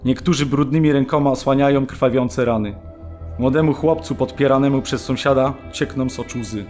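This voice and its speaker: A man's voice: mid-range voice, a little fast, a little mellow, natural voice. Sorrowful prisoner narrator male actor, radio drama, middle register, music underneath.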